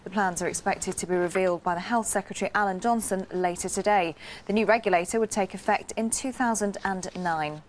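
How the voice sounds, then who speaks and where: A woman presenting a morning news bulletin in crisp, measured scripted reading. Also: mid-range voice, a little hiss or hum.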